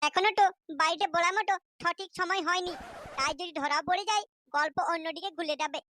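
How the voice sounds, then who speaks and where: A woman's voice: extremely high pitch, fairly quick, bright, forceful tone, a little hiss or hum. A woman voicing a cocky young male lover in a comic cartoon, boastful, cajoling and scheming. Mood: sly, reassuring.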